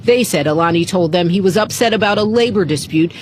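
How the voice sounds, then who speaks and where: A woman's voice: lowish voice, fast talker, slight background noise. A woman with an American accent narrating a scripted news report as a correspondent.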